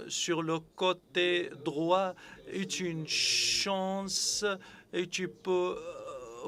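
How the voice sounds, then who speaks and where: A man speaks at a conference in a high voice that hardly rises or falls. He moves very slowly and hesitantly, filling gaps and restarting his words. The delivery sounds stalled and uncertain throughout. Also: creaky, fairly bright tone. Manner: very hesitant, constant "euh" and restarts. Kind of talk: halting conference presentation.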